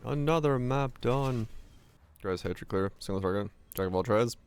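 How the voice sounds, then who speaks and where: A man with a raspy voice giving loose, profane live commentary as a game streamer and answering chat offhand. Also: mid-range voice, normal speed, a little hiss or hum. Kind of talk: casual live gameplay commentary.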